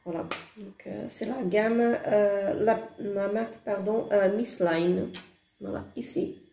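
A woman with a hoarse voice, chatting hesitantly through a makeup haul with many fillers and gushing exclamations. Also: medium pitch, fairly even intonation, takes it slowly, mellow, reverberant. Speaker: beauty vlogger. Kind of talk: casual makeup haul chat. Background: construction noise.

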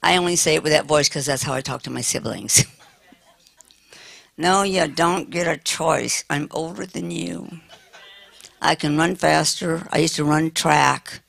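An older American woman preaching a lively sermon with humor, talking in a big, animated, playful voice. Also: low voice, a little slow, creaky, no room sound.

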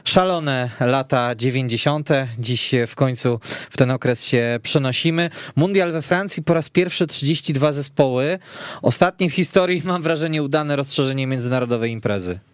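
A man's voice: medium pitch, moderate pace, clean tone, no room sound. A man hosting a football discussion in a radio studio. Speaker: podcast host.

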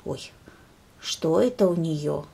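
A woman voicing a timid, dreamy little hedgehog with a soft, wondering, breathy voice. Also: sits low, lively intonation, takes it slowly, full character voice.

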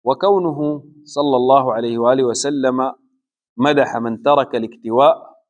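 Slow, measured male religious teacher. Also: medium pitch, highs cut off. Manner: slow deliberate explanation with pauses. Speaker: Islamic scholar teaching a book.

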